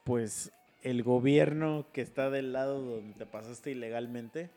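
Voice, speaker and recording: A man's voice: mid-range voice, steady tone, unhurried, warm tone, faint music behind. A young man with a Mexican Spanish accent telling stories in casual, crude, slang-heavy chat. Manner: crude slangy storytelling, laughs often.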